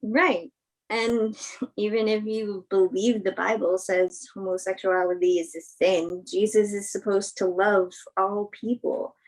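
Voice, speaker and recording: A woman playing a sincere film actress in a staged play reading, speaking in an earnest, measured way. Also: medium pitch, steady tone, lightly acted, rough recording. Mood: earnest, reflective. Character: Emma, sincere film actress woman, thoughtful, open-minded believer. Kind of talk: virtual staged play reading, naturalistic dialogue.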